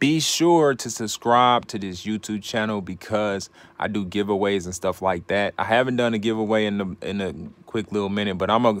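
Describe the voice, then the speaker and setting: A man's fairly low voice at a fairly quick pace. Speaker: gaming tutorial youtuber. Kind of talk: tutorial. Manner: hesitant, many fillers.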